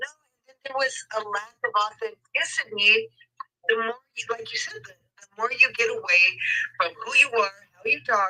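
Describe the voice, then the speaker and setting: A woman's raised, projected voice at a moderate pace, with very wide pitch swings, big shifts in loudness and long, frequent pauses. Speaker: participant in speaking group. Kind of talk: casual group discussion. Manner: energetic.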